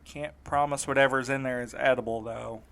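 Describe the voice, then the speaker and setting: A man's voice: medium pitch, fairly even intonation, fairly quick, gravelly, pushed and bright. A man playing a weary, shaken young man in a fiction podcast, speaking in a wry, conversational, folksy way. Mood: exhausted, grumbling. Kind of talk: naturalistic fiction podcast acting.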